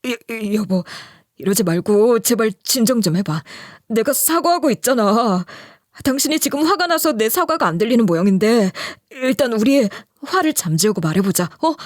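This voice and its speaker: A woman's voice: a little high, lively intonation, moderate pace, no echo, studio quality, natural voice. Woman doing a stammering, begging husband. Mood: pleading. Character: pleading cheating middle-aged husband.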